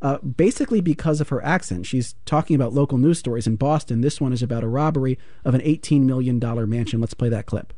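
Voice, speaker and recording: A man hosting a radio call-in show, talking in a measured, conversational way and handing off to his guest and callers. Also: mid-range voice, mellow, dry recording, studio quality. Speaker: radio talk show host.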